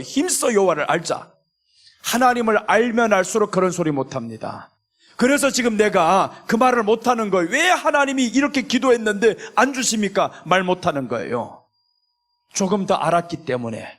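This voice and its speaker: A male pastor preaching a sermon in a church. He acts out pleading prayers with emphasis and drops to a soft, low voice for reflective asides.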